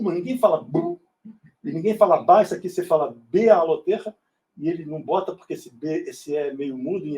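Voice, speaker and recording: A middle-aged Brazilian man with a high, mellow, husky voice gives an informal classroom lecture in a synagogue auditorium. He often checks in with his audience using tag questions.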